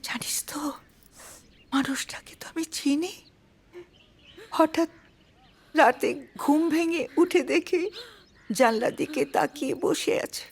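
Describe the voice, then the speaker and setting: An actress playing a gentle mother who soothes her daughter and pleads with her husband. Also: high voice. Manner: soothing, tearful. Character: tender, pleading middle-aged mother.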